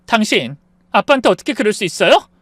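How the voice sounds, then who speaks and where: A wounded young wife and loyal daughter from an audio story, voiced by a male reader, her voice pitched high and lively. She pleads tenderly and then flares up indignantly. The sound is dry and close. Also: a little fast, dry recording.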